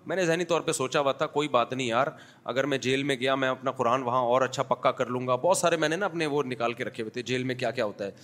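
A man's voice: medium pitch, fairly bright tone. A man giving a sermon in a mosque, taking questions and telling blunt, humorous stories with acted-out dialogue. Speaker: mufti giving a Sunday lecture. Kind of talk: sermon with anecdotes and audience questions. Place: mosque, before a congregation.

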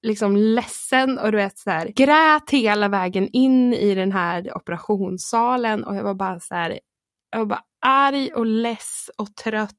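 A woman as a podcast guest, telling a candid personal story in a lively way, acting out quotes and swearing with frequent laughs. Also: mid-range voice, no echo, studio quality. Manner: lively, acts out her own quotes, swears and laughs often.

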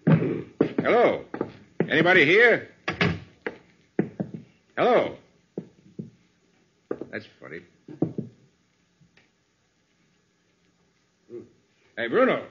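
An assured private detective in an old radio crime serial. He speaks with forceful, widely swinging intonation and brisk authority, through a dull vintage recording. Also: fairly high pitch, wildly swooping pitch, background noise, heavily acted. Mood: alert, urgent. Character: confident, commanding male private detective. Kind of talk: 1940s radio crime drama acting.

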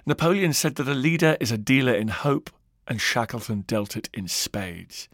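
A man's voice: mid-range voice, lively intonation, moderate pace, fairly bright tone, dry recording, clean studio sound. A man narrating a scripted history documentary with dramatic, varied emphasis.

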